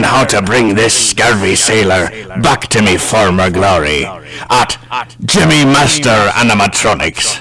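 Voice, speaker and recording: Against clear background noise, a man uses a raspy, cartoonish character voice at medium pitch and a fairly slow pace. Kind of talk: TV commercial read.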